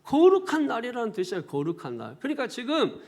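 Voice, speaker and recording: A middle-aged male pastor preaching a sermon, animated and conversational, firing rhetorical questions at the congregation with folksy asides. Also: extremely high pitch, quick pace, vocal fry. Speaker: senior pastor.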